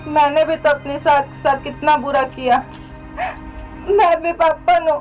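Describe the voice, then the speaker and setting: A woman's voice: high-pitched, steady tone, unhurried, faint music behind, poor audio. A woman playing a daughter-in-law in a family skit, in a tearful, pleading way. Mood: caring. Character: remorseful young daughter-in-law. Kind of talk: low-budget comedy skit acting.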